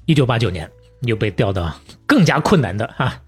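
A man with a Beijing accent hosting a podcast, telling stories in a lively, colloquial, folksy conversational way. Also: mid-range voice, fairly quick, husky, soft background music. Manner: colloquial and folksy, with proverbs and acted-out asides. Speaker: podcast host.

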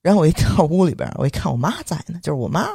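Young man, rapid animated storytelling, rather high voice, dry close sound. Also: gravelly, breathy edge, no room sound. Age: young adult. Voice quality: heavy erhua, quick lively delivery. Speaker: podcast co-host. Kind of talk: animated storytelling, casual chat.

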